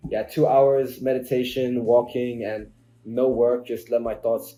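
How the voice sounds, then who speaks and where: A man in his twenties talking as an interview guest, soft-spoken and reflective, often restarting his sentences. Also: medium pitch, little pitch movement, unhurried, faint music behind, poor audio. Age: 20s. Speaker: podcast guest, online entrepreneur. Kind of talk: casual interview talk.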